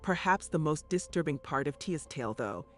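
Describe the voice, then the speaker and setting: A man's voice: a little high, animated, moderate pace, fairly bright tone. A man reading scripted narration as the narrator of a true crime documentary. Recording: music bed under narration.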